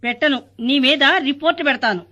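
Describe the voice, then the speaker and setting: A woman's cheeky, retorting voice in a comic sketch. She speaks high and fast, and the recording has a dull, lo-fi sound. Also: pushed and bright. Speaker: comic actress playing a nurse.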